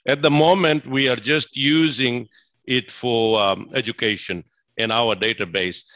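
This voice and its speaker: Bright, enthusiastic man from Fiji. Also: medium pitch, steady tone, unhurried, no room sound. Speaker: physician answering questions. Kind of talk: spoken question-and-answer at a presentation.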